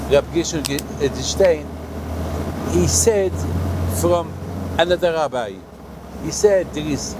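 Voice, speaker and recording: An older man from Morocco, a rabbi giving a sermon outdoors in a halting way, with many fillers and restarts. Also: on the high side, noisy background. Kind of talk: sermon at a holy site.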